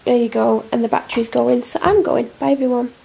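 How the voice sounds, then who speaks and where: Young woman, a home vlogger with a cold. Chatty and rambling. Slightly high, gravelly voice, faint background hiss. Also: fairly quick, dark tone. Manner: rambling, self-deprecating, chatty. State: congested, snotty from a cold. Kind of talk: casual chatty vlog to camera. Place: at home, indoors. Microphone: camera mic.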